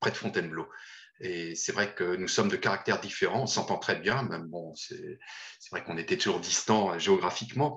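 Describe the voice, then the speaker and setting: His volume rises and falls sharply from moment to moment. This man keeps to a moderate speed. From France, Paris region (Yvelines). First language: German (speaking French). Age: 60s. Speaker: former monk, hospital chaplain. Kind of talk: interview testimony. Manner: hesitant, many fillers.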